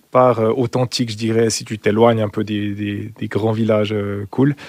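Over a quiet background, a man talks at a moderate pace in a medium pitch. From French-speaking Switzerland, Fribourg. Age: 30s. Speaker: traveller. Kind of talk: interview. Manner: hesitant, many fillers.

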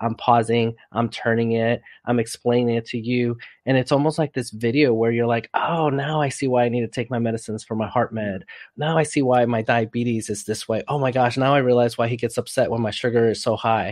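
A man with an American accent and an ordinary speaking voice talks at a fairly quick pace. His medium pitch keeps a fairly even intonation, the sound dry and close with no echo against a quiet background. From New York / US East Coast. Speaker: physician and AI author. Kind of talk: interview.

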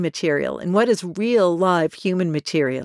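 A woman with an American accent talks at a moderate pace in a normal speaking voice, fairly low in pitch and lively in intonation, on a very clean recording with a silent background. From Massachusetts. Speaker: podcast host and voice actor. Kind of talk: scripted solo podcast monologue.

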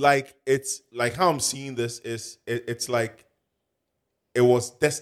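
This man's delivery is very slow. He keeps his intonation fairly even. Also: medium pitch for a man. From Ghana. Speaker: podcast host. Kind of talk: casual chat.

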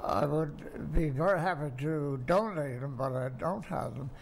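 Audible room echo surrounds a man with an American accent, speaking at a fairly high pitch and fairly slow pace with ordinary pitch variation. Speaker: son of a doll maker. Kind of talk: interview.

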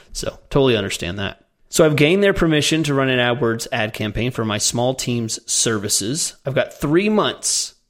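A man with a plain, everyday voice talks at a moderate pace and medium pitch, his intonation lively. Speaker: podcast host. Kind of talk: podcast Q&A, reading listener question. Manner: joking, playful.

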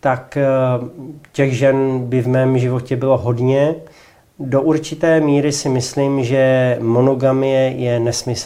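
A man's dark, mellow voice, medium in pitch, in a monotone, flat intonation at a very slow pace. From Czech Republic, Průhonice near Prague. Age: 30s. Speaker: traveler and filmmaker. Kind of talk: interview. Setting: cabin by a pond.

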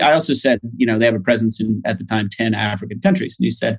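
A man with an American accent talks at a medium pitch with ordinary pitch variation. His voice has vocal fry. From US, Boise, Idaho. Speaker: tech company founder and CEO. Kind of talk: interview.

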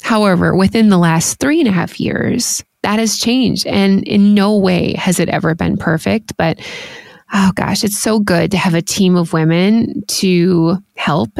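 This woman has an unremarkable speaking voice at a medium pitch. She talks at a fairly slow pace with ordinary pitch variation. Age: 40s. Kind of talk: faith-based solo podcast talk.

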